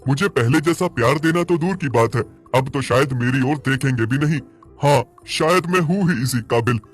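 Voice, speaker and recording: A man voicing a jealous, insecure, sulky black bull in an animated moral story, bitter and self-pitying. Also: medium pitch, normal speed, faint music behind, close to an everyday voice.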